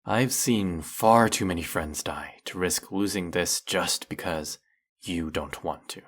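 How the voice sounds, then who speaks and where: Low, slow, brooding vampire hunter, acted by a man. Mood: grim, resolute. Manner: slow, halting, confiding delivery with heavy pauses. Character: centuries-old brooding male vampire hunter, guilt-ridden and resolute. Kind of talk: dramatic audio roleplay monologue.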